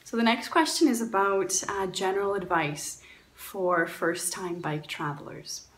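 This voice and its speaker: A woman's voice: mid-range voice, a little slow, fairly bright tone, reverberant. A woman from Poland, raised in Canada, giving earnest travel advice with frequent fillers and restarts. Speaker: guest traveler sharing advice. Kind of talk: recorded talk answering questions.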